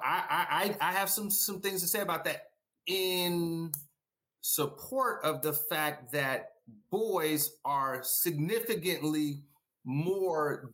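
A male guest educator on a discussion panel, his voice pitched a little high. He argues earnestly, circles back over his points and keeps checking with "right?". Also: a bit bright. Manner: earnest, repeats himself, tags points with "right?".

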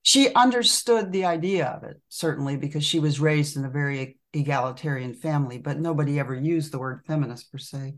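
A woman guest on a podcast, telling a story in a thoughtful, measured way. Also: low-pitched. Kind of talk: casual conversation.

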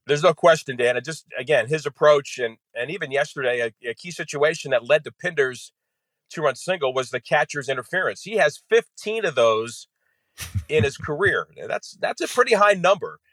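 A man who calls baseball games on radio, talking as a guest in an interview and laying out detailed, measured analysis of players and strategy. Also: a little high, dry recording, poor audio. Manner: detailed, measured, steady flow of facts.

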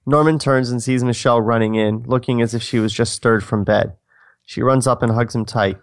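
A man narrates screenplay directions in a casual, joking read-through. His voice is mid-pitched and recorded dry, and he drops in offhand asides as co-host. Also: steady tone, fairly quick, dry recording. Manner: breaks off into asides.

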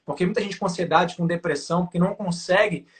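High-voiced man in casual chat. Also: quick pace. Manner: colloquial, uses slang fillers.

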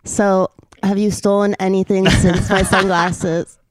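A woman hosting a podcast, talking with a guest in a sweet, soft-spoken way. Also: medium pitch, flat delivery, unhurried, no echo. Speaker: podcast host. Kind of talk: casual interview chat.

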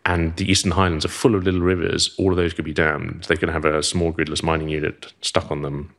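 A man's voice: low voice, level tone, a little fast, gravelly, fairly bright tone. A middle-aged man with a Zimbabwean accent telling a long story as a podcast guest, rambling and self-deprecating, swearing freely. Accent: Zimbabwean English. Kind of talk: casual storytelling.

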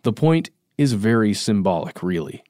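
A man's voice: lowish voice, big pitch swings, moderate pace, warm tone, dry recording, clean studio sound. A man co-hosting a podcast, talking things through in a casual, thoughtful way and qualifying his points. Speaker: podcast co-host. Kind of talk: casual discussion.

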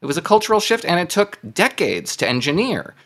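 A man on a political podcast argues forcefully, with a lively pitch that swings high and low. He drives each point home with emphasis. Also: brisk. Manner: emphatic, animated argument. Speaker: podcast panelist. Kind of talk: political discussion.

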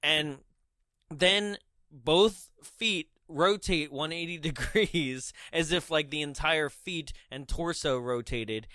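A man's voice: a little high, takes it slowly, sharp tone, no echo. A young man in casual, laugh-filled chat about a film, often slipping into put-on voices for the characters.

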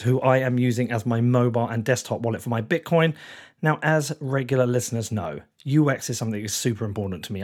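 A male podcast host with an English accent speaks in a croaky, husky voice, as if it is nearly gone. His delivery is informal and addressed straight to the listener, suited to show intros and sponsor reads. The hoarseness roughens his words throughout. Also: medium pitch. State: losing his voice.

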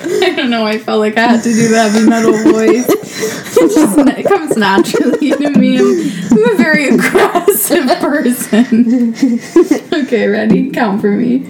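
A woman's voice: a little high, expressive, moderate pace, heavy background noise. A young woman co-hosting a podcast, trading crude, laughing banter in casual chat. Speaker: podcast co-host.

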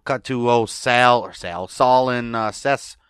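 A man's voice: mid-range voice, slow, fairly bright tone, smooth, dry recording, studio quality. A man co-hosting a casual review chat, animatedly retelling scenes and swearing casually. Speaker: podcast co-host.

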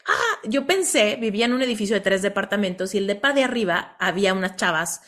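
A woman with a Mexican accent hosting a motivational coaching talk, telling stories in an animated way and often ending lines with a questioning tag. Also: mid-range voice, quick pace. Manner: animated storyteller, tags lines with "¿no?". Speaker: host.

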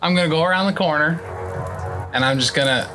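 Playful higher-voiced player. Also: male voice, fast, music in the background. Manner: playful, asks hypotheticals. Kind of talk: casual tabletop play.

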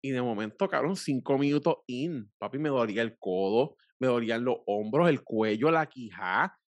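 A man with a Puerto Rican accent in casual chat, telling crude, animated stories full of swearing. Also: mid-range voice, moderate pace, no room sound.

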